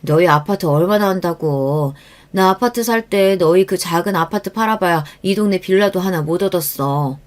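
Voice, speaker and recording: A woman's voice: fairly low pitch, moderate pace, lightly acted. A woman voicing a proud, resolute middle-aged mother who answers bluntly in a spoken true-story tale. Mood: curt. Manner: blunt and dismissive.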